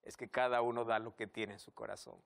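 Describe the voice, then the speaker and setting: A man's voice: on the low side, little pitch movement, brisk, gravelly, voice pushed down. Man playing an exasperated Christian husband. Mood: gentle. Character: exasperated Christian husband, pleading then gentle.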